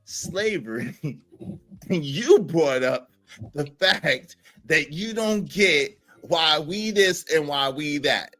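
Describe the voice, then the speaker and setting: A man's voice: a little high, expressive, slow pace, sharp tone, faint music behind. A man hosting a heated live-stream debate, combative and talking over others.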